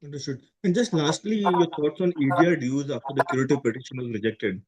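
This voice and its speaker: A man's voice: medium pitch, quick pace, breathy edge, no room sound. A man asking questions as an analyst on a conference call, somewhat hesitantly.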